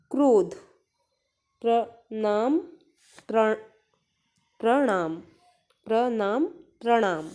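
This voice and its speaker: Teaching grammar to young children, a woman patiently repeats each word aloud and explains letters and vowel signs step by step. Her voice has a fairly high pitch and a mellow quality.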